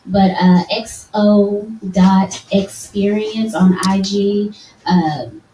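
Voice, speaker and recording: Woman, podcast co-host, casual chat, animated, upbeat hype, roomy echo, distant mic. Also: medium pitch, extremely slow. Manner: animated, hyping up listeners. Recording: echoey room, distant mic, faint noise.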